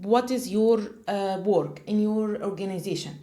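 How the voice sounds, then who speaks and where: A woman's voice: medium pitch, a little slow, warm tone. A woman, co-hosting a podcast in a studio and speaking hesitantly with many fillers. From Egypt. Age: 20s. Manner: hesitant, many "uh" fillers, asks guests questions. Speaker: podcast co-host. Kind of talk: casual podcast chat. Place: small studio.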